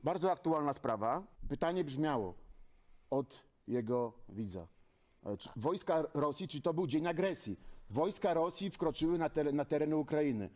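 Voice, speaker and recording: A man's voice: a little high, expressive, normal speed, a little mellow. A man arguing insistently in a studio talk show debate, pressing and repeating his accusations.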